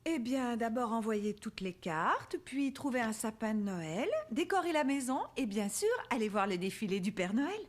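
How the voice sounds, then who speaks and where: A woman playing a gentle, patient young mother in a children's cartoon dub, explaining things clearly to small children. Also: fairly high pitch, lively intonation, moderate pace, few pauses.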